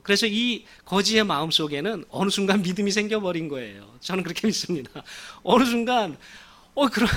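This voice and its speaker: A man preaching a sermon, retelling a story in an animated way and chuckling often. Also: sits high. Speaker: pastor.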